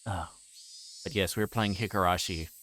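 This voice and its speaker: A man hosting a livestream, chatting casually in a halting, rambling way and often repeating words as he plays a game. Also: low-pitched, fairly bright tone, slight background noise. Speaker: livestream host. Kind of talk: casual livestream chat while playing a visual novel.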